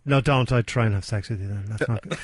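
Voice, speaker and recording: An Irish man as a podcast guest, making deadpan jokes in a casual comedy chat. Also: on the low side, fast talker, dry recording.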